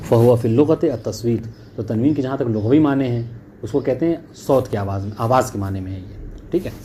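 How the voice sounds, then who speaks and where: A man with a dark, mellow voice teaches Arabic grammar to a class. He reads the Arabic text slowly before explaining it in quicker talk. He checks again and again that his students have understood, with faint background noise. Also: medium pitch. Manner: keeps checking understanding with "clear?" and "okay".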